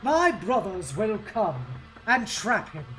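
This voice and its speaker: A woman takes on a resolute male military commander in a dramatic novel reading. The delivery is solemn and declamatory, with slow pacing and wide swings in pitch. Faint music sits behind the voice. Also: sing-song, fairly bright tone. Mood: determined, stern. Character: Dorn, grave resolute male warrior commander. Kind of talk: dramatic novel read-aloud.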